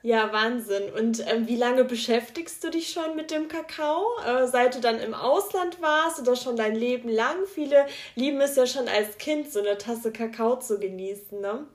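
A woman hosts a podcast and asks her guest friendly, curious questions. Her voice is a little higher than usual. The recording has noticeable room echo. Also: moderate pace, hardly any pauses. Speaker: podcast host. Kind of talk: interviewing.

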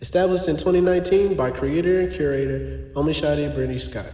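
A man playing an onboard train announcer, making formal, slow announcements. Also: a little high, mellow. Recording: echoey, distant hall sound.

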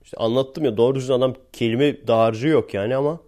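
A man's voice: mid-range voice, fairly even intonation, fast, dark tone. A man from Turkey hosting a podcast, talking in a chatty, sarcastic, rambling way and often laughing. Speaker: podcast host. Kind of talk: casual podcast monologue.

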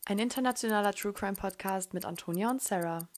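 Chatty woman podcast co-host. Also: mid-range voice. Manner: chatty, quick asides, youthful slang. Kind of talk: casual chat. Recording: amateur home mic setup.

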